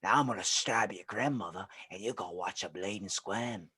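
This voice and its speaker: A man's voice: on the low side, brisk, sharp tone, husky, dry recording, clean studio sound, pitched below the performer's own voice. A man voicing a menacing, sadistic serial killer with threatening delivery. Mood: cold menace.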